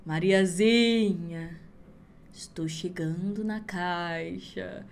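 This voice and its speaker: A woman voicing a forest witch who creeps closer to a little girl, calling her in a slow, drawn-out, menacing way. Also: fairly low pitch, vocal fry, voice pushed down, exaggerated voice.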